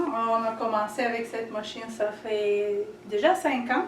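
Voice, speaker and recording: Noticeable background noise sits behind this voice. It moves at a fairly slow pace with ordinary pitch variation. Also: woman. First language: not French (third language) (speaking French). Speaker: yarn studio owner. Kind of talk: workshop tour explanation. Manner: hesitant.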